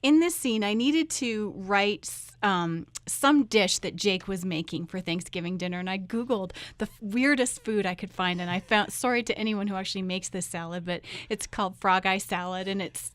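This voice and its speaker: A woman with a mid-pitched voice in a dry, close studio sound. She talks casually as a writer on a panel, telling stories in an animated manner. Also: moderate pace, few pauses, no echo. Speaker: radio drama writer, panel guest. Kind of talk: casual panel chat about a show.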